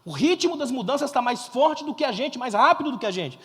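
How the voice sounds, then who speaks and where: Pastor guy preaching, really high husky voice, big echoey hall. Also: sing-song, a little fast. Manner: fervent, swells to loud emphasis, quizzes the crowd. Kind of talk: sermon. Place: church conference hall. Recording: long hall reverb.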